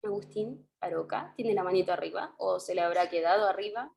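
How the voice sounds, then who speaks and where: A woman's voice: mid-range voice, a little fast, vocal fry, a little mellow, reverberant. A woman teaching an online primary class with a Chilean accent, patient and encouraging, stretching out syllables as she explains. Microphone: video call.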